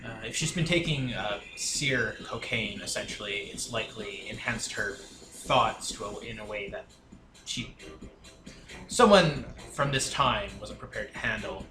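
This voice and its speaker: A man's voice: lowish voice, lively intonation, unhurried. Man at a game table, echoey, music behind. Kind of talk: casual in-game discussion. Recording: echoey room recording.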